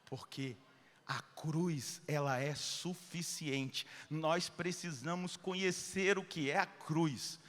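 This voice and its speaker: A middle-aged Brazilian man, a Catholic priest, preaching a sermon full of personal stories. He acts out dialogue and swings between loud and hushed speech. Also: fairly high pitch, takes it slowly, long reverb tail. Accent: Brazilian Portuguese.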